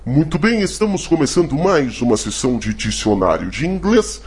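A Brazilian man hosting a comedy mock lesson as a professor, explaining in a halting, didactic way. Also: on the high side, very animated. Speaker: comedy professor host answering callers.

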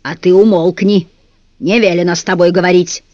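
A man reading a gruff bass guard. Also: expressive, moderate pace, no echo. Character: burly bass-voiced male guard, gruff and pious. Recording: dull, dry studio recording.

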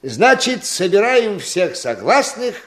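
Hearty, animated village organiser. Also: male voice, high-pitched, takes it slowly, full character voice. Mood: pleased, musing. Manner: folksy, encouraging, musing aloud. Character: hearty, eager village organiser rallying the men. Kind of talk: Russian radio drama acting.

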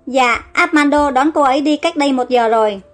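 A woman's voice: high voice, fairly quick, soft background music, lightly acted. A woman voicing a flustered young bodyguard who stammers anxiously.

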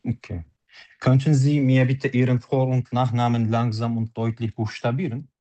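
A man's voice: medium pitch, level tone, moderate pace, mellow. A man as a doctor taking a patient's history in a practice interview, speaking formally and politely. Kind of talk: role-played doctor-patient practice talk.

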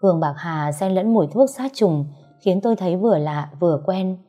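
A woman narrating an emotional first-person love story in a soft, heartfelt way. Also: fairly low pitch, lively intonation, fairly quick. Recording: slightly muffled, soft background music.

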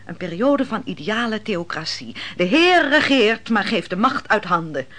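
A shrewd woman who pours wine and lectures in a Dutch radio drama. Her medium-pitched voice is measured and theatrical, with a mocking, didactic bent. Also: very animated, a bit bright. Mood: solemn, didactic. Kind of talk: Dutch radio play acting.

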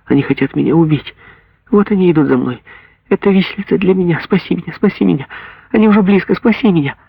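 A man voicing a frightened young gypsy girl in an audiobook, pleading in a husky voice. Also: mid-range voice, steady tone, brisk, no echo, pitched above the performer's own voice. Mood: terrified. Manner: breathless, pleading. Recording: dull lo-fi dry recording.

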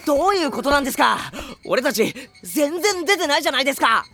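A cocky, excitable teenage boy, with blunt boyish phrasing and very lively swings in pitch. It is performed as anime audio drama. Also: quick pace, faint music behind, heavily acted. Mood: indignant.

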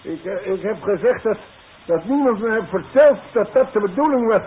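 An actor playing a stubborn, proud old demolition worker in a 1960s radio play, speaking in a gruff, halting grumble. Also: male voice, high-pitched, lively intonation, full character voice. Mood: indignant, stubborn. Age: older. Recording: noisy, muffled 1960s radio recording.

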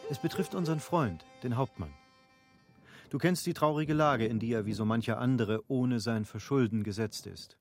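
Actor as earnest, eloquent husband in radio drama. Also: male voice, medium pitch, moderate pace, soft background music, natural voice. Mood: earnest, confiding. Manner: formal, eloquent, persuasive. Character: earnest, eager, well-off landowning husband of middle age. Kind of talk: literary German radio play dialogue. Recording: faint outdoor background noise, birdsong. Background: birdsong, outdoor ambience.

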